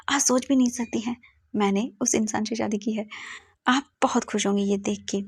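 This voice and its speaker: A woman's voice: on the high side, steady tone, normal speed, slightly rough, no echo, studio quality. A woman voicing a playful, teasing young man who pleads with his mother, in a storytelling reading. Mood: pleading.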